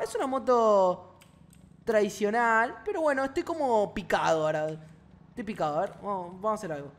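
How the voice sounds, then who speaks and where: Man A young gamer with a Rioplatense Spanish accent chats through his gameplay. He is excitable and slangy and keeps talking to his viewers as he plays. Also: high voice. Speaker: gaming youtuber. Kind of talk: casual gameplay commentary.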